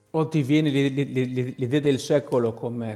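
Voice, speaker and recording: Fairly slow and medium in pitch, a man's voice comes through. His intonation stays fairly even. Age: 30s. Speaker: live stream caller. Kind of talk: casual discussion. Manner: halting.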